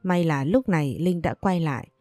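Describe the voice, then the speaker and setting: Warm low-voiced female storyteller. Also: normal speed, dry recording, clean studio sound. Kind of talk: first-person story narration.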